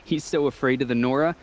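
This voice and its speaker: A man's voice: medium pitch, normal speed, lightly acted. A man playing a cocky, competitive tribal hunter in a video game, with a sarcastic, teasing manner. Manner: sarcastic, provoking. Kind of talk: video game dialogue acting.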